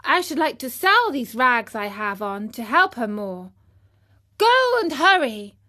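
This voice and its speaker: A woman's voice: high-pitched, sing-song, sharp tone, full character voice. A woman voicing an eager, earnest wooden puppet boy who talks in breathless, pleading bursts. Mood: distressed. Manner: breathless, pleading, rapid questions.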